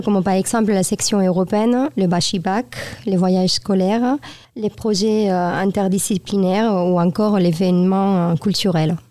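A woman's voice: mid-range voice, warm tone, no echo. A woman from Spain, a teacher giving composed, prepared answers. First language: Spanish. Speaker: Spanish teacher.

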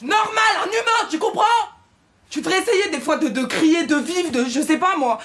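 An actress playing a volatile, outspoken young woman who shouts at her partner in a film scene. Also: very high voice, normal speed. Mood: exasperated. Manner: shouting, exasperated. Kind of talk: film dialogue. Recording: film soundtrack with noise behind.

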